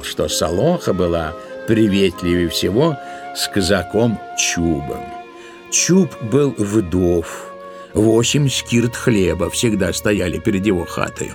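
A man with a fairly low, noticeably creaky voice narrates a literary tale. His delivery is expressive and wry, like a playful storyteller. Music plays clearly behind him. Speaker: audiobook narrator. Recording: studio audio drama with music behind.

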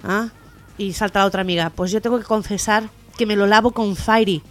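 A woman co-hosting a local radio comedy show with a Catalan Spanish accent, telling jokes with lively acted-out voices. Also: medium pitch, a little fast. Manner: lively joke-telling, acting out the lines of the joke characters. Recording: radio show with faint music behind.

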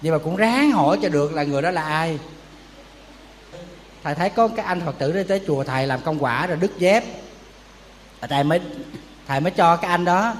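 A monk preaches in a high, light voice. He tells his stories in a chatty way and keeps asking the audience rhetorical questions. The sound carries a long hall echo over a faint hiss. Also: brisk, long pauses. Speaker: Buddhist monk teacher. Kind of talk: sermon.

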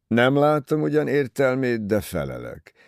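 Guy doing a snotty young hothead, loud and scornful, voice pushed up high, kinda gravelly. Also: sing-song, no room sound, clean studio sound. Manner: scornful, bursts into shouting. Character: hot-headed young man, rude and defiant.

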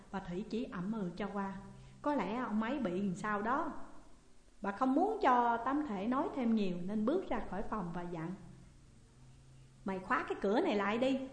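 Woman, story narration, steady, long reverberant sound. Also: mid-range voice, normal speed. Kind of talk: story reading.

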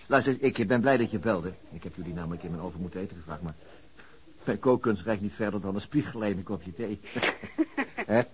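A middle-aged chief inspector in a radio play, played by a man, hesitant and rueful. His voice sits low and the words come fast, broken by stammers and halts. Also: close to an everyday voice. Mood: rueful, chatty. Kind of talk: naturalistic Dutch radio drama acting.

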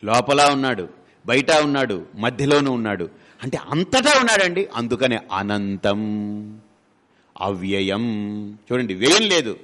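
A man's voice: medium pitch, big pitch swings, measured pace, long pauses, a bit bright. A man giving a spiritual discourse, asking rhetorical questions and briefly acting out everyday speakers. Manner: rhetorical questions, acts out householders' quotes. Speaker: spiritual teacher. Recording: long hall reverb.

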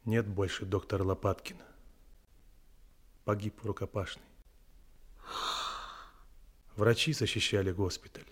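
Radio drama: weary, determined wounded soldier, rough husky tone, fairly low. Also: male voice, fairly even intonation, normal speed. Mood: weary, grim.

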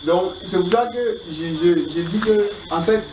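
High-voiced man, echoey and distant. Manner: halting, roundabout, repetitive. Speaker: student asking Bible questions. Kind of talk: informal spoken question. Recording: echoey, distant, noisy pickup.

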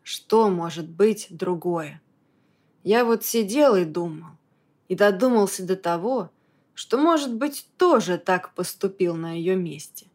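A woman reading as a hoarse, numb young man. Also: unhurried. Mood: weary. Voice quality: low, hoarse. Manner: flat, tired, subdued. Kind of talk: audiobook character voice.

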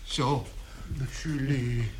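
A man's voice: medium pitch, fairly even intonation, very slow, a little hiss or hum, rough recording. An actor playing an alarmed middle-aged father in a radio play, exclaiming and fussing. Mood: agitated concern. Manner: exclamatory, agitated.

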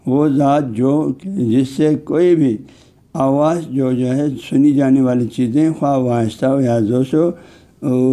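A male Islamic scholar giving a religious lecture, explaining terms word by word with frequent filler phrases and reading Arabic passages slowly. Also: mid-range voice, dark tone.

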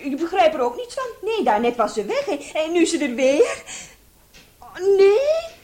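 An actress playing an excitable, indignant woman who has been robbed, in a Dutch radio play. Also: extremely high pitch, moderate pace. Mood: flustered relief. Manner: exclamatory, agitated. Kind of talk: Dutch radio drama acting.

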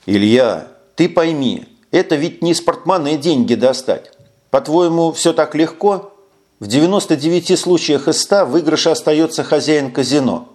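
A man's voice: on the high side, animated, moderate pace, a little mellow, lightly acted. A man reading an audiobook, voicing a cautious young man who anxiously warns his friend. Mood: anxious warning. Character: worried young man, emigrants' descendant, cautious.

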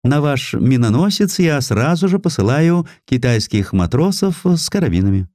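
Man acting haughty Chinese admiral, raised pitch. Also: big pitch swings, moderate pace, a little mellow, dry recording, clean studio sound. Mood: menacing. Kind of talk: audiobook character acting.

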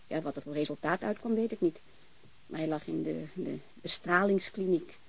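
A woman's voice: deep voice, normal speed, vocal fry, husky, heavily acted, rough recording. An actress playing an outspoken, chatty middle-aged landlady in a naturalistic radio drama, talking bluntly and restarting her sentences. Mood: pensive. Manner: talkative, blunt, breaks off and restarts.

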